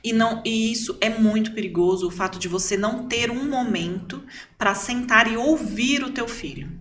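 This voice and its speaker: A middle-aged woman, a podcast guest, telling a family story in a lively way and repeating words for emphasis. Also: fairly high pitch, normal speed, slight background noise. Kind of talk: casual storytelling.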